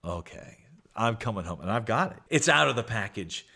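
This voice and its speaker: A man hosting a podcast, telling a story with animated delivery and acted-out childhood voices. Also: fairly low pitch, normal speed, creaky. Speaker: podcast host.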